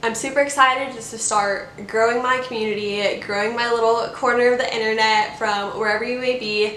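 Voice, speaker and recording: In an American accent, a woman with a fairly high pitch talks at a fairly quick pace with hardly any pauses, her intonation monotone and flat and her loudness swinging widely, amid audible room echo and noticeable background noise. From Texas, El Paso. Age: 20s. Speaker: vlogger. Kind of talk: casual vlog monologue.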